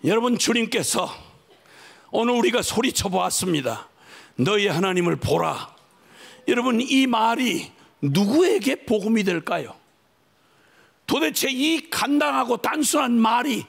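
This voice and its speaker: A middle-aged man preaching a fervent sermon at a church worship service, shouting out proclamations and leading the congregation in calls, with playful asides between. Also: very high-pitched, very animated, measured pace, vocal fry, husky. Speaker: missionary preacher.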